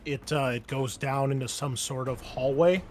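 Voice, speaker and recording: A man's voice: medium pitch, moderate pace, darkish tone, a little hiss or hum. A man running a tabletop game as game master, improvising narration in a conversational, explanatory way.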